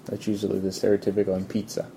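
A man with a very dark, soft-edged voice gives casual interview answers. His pitch sits fairly low and moves little, and he explains things in a measured, hesitant way over a faint low rumble. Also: monotone. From Italy. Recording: low rumbling background noise.

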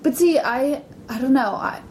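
A woman's voice: high voice, normal speed, darkish tone, a little hiss or hum. A woman interviewing casually, curious and loose, with many fillers in her questions. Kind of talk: casual chat.

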